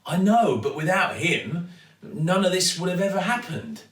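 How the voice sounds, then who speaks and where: Give me a man playing a cheerful, proud storybook dad, bright and lifted, in a roomy space. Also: sits high, sing-song, normal speed, recorded from a distance, pitched above the performer's own voice. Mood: fond.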